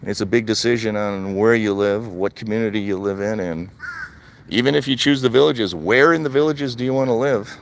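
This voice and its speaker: An older Wisconsin man vlogs live while out walking in a retirement community, chatting plainly and repeating what he says. His fairly low voice is brisk and creaky, and a little hiss or hum comes through.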